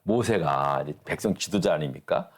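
A man's voice: very deep voice, lively intonation, normal speed. A man pastor leading a church Bible study, talking emphatically and asking the class rhetorical questions.

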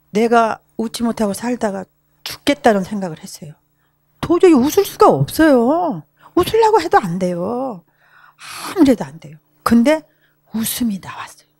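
Animated high-voiced woman in her sixties. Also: dry recording, studio quality. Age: 60s. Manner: emotional, animated storytelling. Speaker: program participant giving a testimony. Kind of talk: personal recovery testimony.

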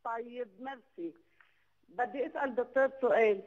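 A woman with a Lebanese accent calling into a TV show by phone, asking a hurried, repetitive question. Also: a little high. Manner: hurried, repeats herself. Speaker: caller. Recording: dull phone line.

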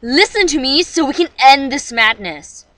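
A dramatic young anime girl, acted by a woman, delivers intense audition lines. Her voice is very high and sharp, swinging widely with theatrical emotion. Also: lively intonation, moderate pace, no echo. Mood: angry.

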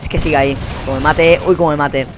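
A young Spanish gamer narrates his match live, his voice sitting a touch high. He swears constantly and flips from grumbling to sudden yells of frustration. Soft game gunfire hums underneath. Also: steady tone, fast talker, noisy background. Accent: Spain Spanish. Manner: profane, exasperated ranting with sudden yelled outbursts. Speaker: gaming channel host. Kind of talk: live gameplay commentary.

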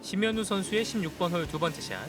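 A man's voice: sits high, fast, far from the mic, over music. A man giving live golf commentary as the play-by-play caller, calling shots in short announcements and exclamations.

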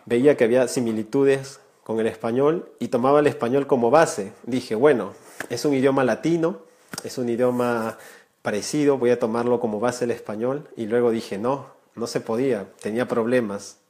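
A man's voice: medium pitch, steady tone, normal speed, a little mellow. A man in his thirties, a Spanish teacher, talking earnestly and directly to viewers during a live stream from a small room. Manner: earnest, gestures with hands, addresses viewers directly. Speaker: Spanish teacher, channel creator. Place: small room indoors, warm lamp light.

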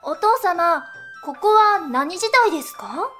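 A woman's voice: very high voice, lively intonation, slow pace, fairly bright tone, faint music behind, exaggerated voice. A woman voicing a sweet, dutiful young princess in a scripted educational story, girlish, polite and inquisitive. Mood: polite, curious.

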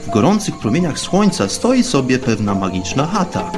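A man's voice: medium pitch, sing-song, normal speed. A man introducing a radio program with scripted narration in a storybook style. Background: music.

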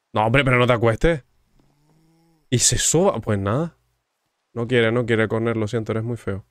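Gamer guy joking around w the villagers, mostly mumbling low, dry close mic. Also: dry recording. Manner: joking, teasing, chatty with game characters. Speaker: gaming streamer. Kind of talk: casual gameplay commentary.

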